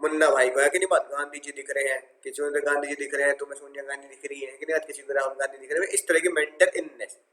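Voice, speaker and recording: A man's voice: fairly high pitch, level tone, quick pace, hardly any pauses, pushed and bright, roomy sound, poor audio. A man lecturing on income tax, telling movie stories, asking questions and answering them in the students' voice. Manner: many "है ना" and "right" check-ins. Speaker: tax teacher. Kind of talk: lively lecture with stories and call-and-response.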